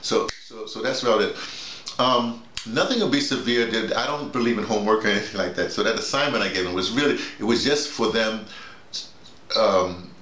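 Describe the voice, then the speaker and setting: A man's voice: lowish voice, fairly quick. An older man with an American accent talking informally, explaining in a digressive way and often acting out quoted remarks. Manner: digressive, self-quoting, animated storytelling. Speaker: theater director and workshop leader. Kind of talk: informal debrief, rambling explanation. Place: small bedroom, indoors. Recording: echoey room with faint noise.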